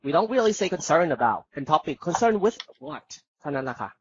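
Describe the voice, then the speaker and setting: A man teaching an online IELTS speaking class, coaching and giving slow, clear model answers. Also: a little high, very animated, dull audio, noisy background. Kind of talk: live online language lesson.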